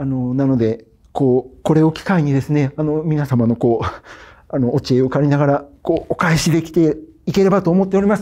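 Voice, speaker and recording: A man speaks at a fairly quick pace with a fairly high pitch and ordinary pitch variation. His tone is dark and mellow, and the background is quiet. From Tokyo, Japan. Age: 40s. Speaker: idol producer, entrepreneur. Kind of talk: business pitch. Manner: lively, upbeat; hesitant with fillers. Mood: polite, grateful in closing. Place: studio.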